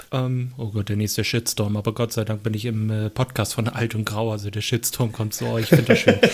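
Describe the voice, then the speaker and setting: A man's medium-pitched, monotone, flat delivery at a fairly quick pace with hardly any pauses. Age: 30s. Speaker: YouTuber. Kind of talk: casual chat.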